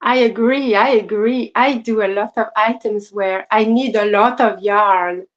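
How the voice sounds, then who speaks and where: A woman with a French accent co-hosting a casual crochet livestream, soft-spoken and apologetic with many fillers. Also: medium pitch, fairly even intonation, unhurried. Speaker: co-host. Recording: dull lo-fi stream audio.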